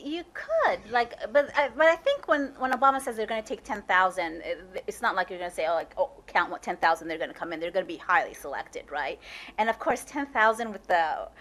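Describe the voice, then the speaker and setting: A woman answering audience questions after a talk, talking quickly with many restarts and "like". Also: medium pitch, lively intonation, fairly bright tone. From United States. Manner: talks fast, with frequent restarts and "like". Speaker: guest speaker. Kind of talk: lecture Q&A answers. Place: lecture room.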